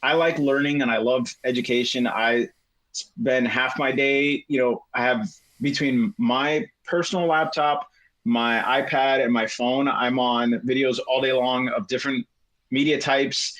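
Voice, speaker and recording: A middle-aged man as a guest on a casual chat, talking at length and hesitating often with fillers and restarts. His voice sits at an ordinary middle pitch. It sounds dry and close to the mic. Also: fairly even intonation, a little slow, a bit bright, dry recording, rough recording. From United States. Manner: rambling, hesitant, many fillers.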